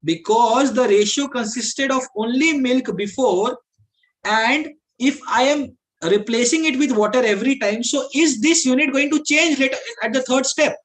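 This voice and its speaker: A man's voice: very high voice, moderate pace, fairly bright tone, low-quality recording. A man with a South Asian accent teaching a class step by step, repeating points, mixing English with Hindi and often checking understanding with questions. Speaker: aptitude teacher. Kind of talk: classroom lesson, explaining step by step.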